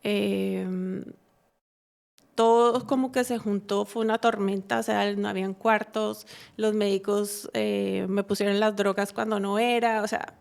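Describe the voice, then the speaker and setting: A woman tells her personal story of faith as a talk show guest. She speaks earnestly at a mid pitch, pausing often and restarting her sentences as she searches for words. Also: little pitch movement, vocal fry, darkish tone. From Colombia. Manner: halting, many fillers and restarts, earnest. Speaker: guest giving a testimony.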